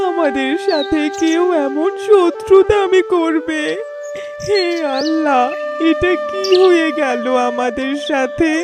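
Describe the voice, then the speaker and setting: A woman voicing a practical, devoted farmer's wife in a cartoon story, speaking expressively. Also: very high voice. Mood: grief-stricken.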